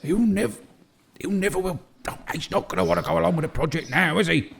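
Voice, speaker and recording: Servile horror-drama henchman, gravelly, high-pitched, hesitant, stammering. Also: fairly quick, a little hiss or hum. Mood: anxious, hesitant. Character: nervous, deferential male henchman with hidden cunning. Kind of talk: audio horror drama acting.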